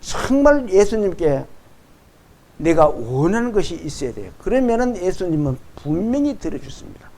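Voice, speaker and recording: A middle-aged male pastor preaching a sermon, reading verses slowly and with emphasis and acting out the quoted voices. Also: sits high, very animated, warm tone.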